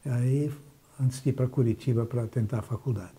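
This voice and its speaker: As a TV interview guest, an older man from southern Brazil reflects on his past, restarting and trailing off as memories return. His voice is very dark and mellow yet mid-range, with a steady tone at a moderate pace.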